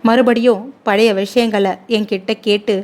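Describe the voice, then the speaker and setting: Woman reading as a sad young mom, soft and hesitant, storybook voice. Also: mid-range voice, fairly even intonation, a little slow, lightly acted. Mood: fearful. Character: troubled sorrowful young mother. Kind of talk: storybook dialogue.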